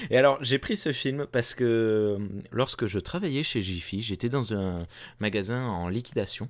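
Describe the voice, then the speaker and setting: On a very clean recording with a silent background, a man talks at a fairly slow pace and a medium pitch with ordinary pitch variation. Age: 20s. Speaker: podcast host, film reviewer. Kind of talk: solo casual review podcast. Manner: halting, many fillers and repetitions.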